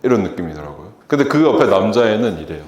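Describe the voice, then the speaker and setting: 활기찬 억양의 남자 강사, 울리는 강연장. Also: male voice, on the low side, fast. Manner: lively, acts out quoted customer lines. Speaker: lecturer. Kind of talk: public lecture. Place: lecture hall. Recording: echoey lecture hall.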